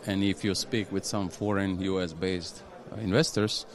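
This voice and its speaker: A man speaking as an executive guest, his voice sitting very low. He talks haltingly, restarting phrases and checking in with "yeah?". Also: steady tone. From Croatia. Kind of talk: conversational interview.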